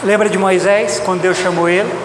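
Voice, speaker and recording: In a reverberant church hall with loud background noise, a Brazilian man preaches a sermon in a high, fairly even voice at a fairly quick pace. He speaks emphatically, repeating his points and addressing the congregation directly.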